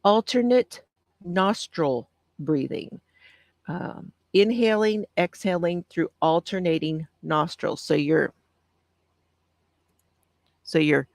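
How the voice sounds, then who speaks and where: A woman hosting a casual live stream, with a soft, calming voice, reading out notes on breathing and answering viewer comments. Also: on the low side, creaky, no echo. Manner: gentle, reads aloud with pauses and answers viewer comments. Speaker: craft channel host.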